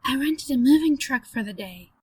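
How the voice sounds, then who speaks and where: A woman's voice: high-pitched, expressive, moderate pace, darkish tone, slightly rough, no echo. A woman playing a breezy, insistent, upbeat friend in an audio drama, emphatic and informal.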